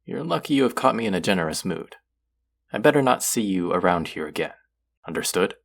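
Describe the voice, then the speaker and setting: An actor playing a stern, haughty god of the underworld in an audio roleplay, speaking formally with an exasperated, grudging manner. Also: male voice, sits low, very animated, brisk, gravelly, full character voice. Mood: stern, dismissive. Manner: imperious, exasperated, formal speech with sighs. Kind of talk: scripted character audio roleplay.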